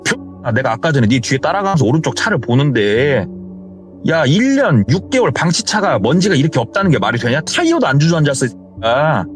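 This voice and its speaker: A suspicious young man who talks rough and insistent, slightly raised above an everyday voice, scolding his friend. A man storyteller puts him on. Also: a little high, big pitch swings, brisk, faint music behind. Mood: urgent.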